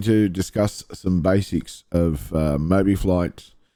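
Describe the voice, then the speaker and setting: Speaking very slowly, a man uses a fairly low pitch and a dark, mellow tone. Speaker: flight sim hardware youtuber. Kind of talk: tutorial. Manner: hesitant with many fillers.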